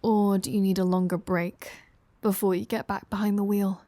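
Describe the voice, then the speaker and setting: A woman's voice: medium pitch, level tone, moderate pace, warm tone, dry recording, close to an everyday voice. A woman playing a flirty, sardonic, foul-mouthed vampire in an intimate roleplay audio drama. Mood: teasing, casual.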